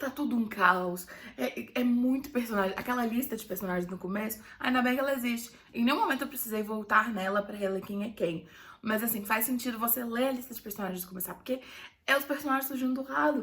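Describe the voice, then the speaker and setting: A woman speaks at a very fast pace in an animated tone, with a fairly high pitch and ordinary pitch variation. Noticeable background noise runs underneath. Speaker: book vlogger. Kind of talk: casual book review vlog.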